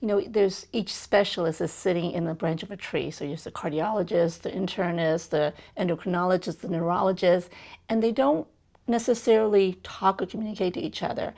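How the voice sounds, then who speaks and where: A woman's voice: on the low side, fairly quick, gravelly, a little mellow. A middle-aged woman physician from Burma, talking thoughtfully in an interview, with many fillers and restarts. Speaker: physician guest. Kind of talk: conversational interview.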